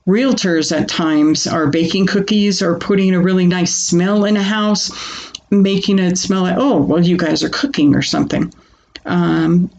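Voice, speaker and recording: A woman calmly talking listeners through a grounding exercise in an informal, conversational way, using questions and personal asides. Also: medium pitch, muffled recording. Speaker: presenter of a self-help grounding exercise. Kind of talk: conversational self-help talk teaching a calming grounding exercise.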